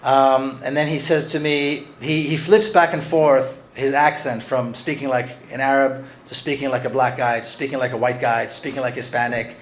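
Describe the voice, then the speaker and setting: A man's voice: medium pitch, steady tone, slight background noise. A man talking earnestly about his book, often restarting his phrases. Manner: earnest, halting with frequent restarts. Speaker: author discussing his book. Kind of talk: conversational talk with read-aloud passages.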